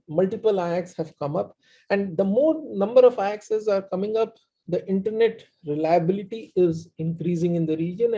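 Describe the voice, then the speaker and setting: A man with an Indian accent explaining his work as a panelist in a halting, presentational way. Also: high-pitched, warm tone. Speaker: panelist, community organizer. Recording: dull, muffled online-call audio.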